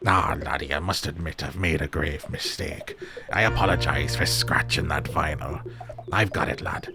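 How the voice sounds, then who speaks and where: A man's voice: extremely low pitch, moderate pace, music in the background. A male synthetic voice playing a hearty fisherman villager who calls everyone laddie. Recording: steady background noise.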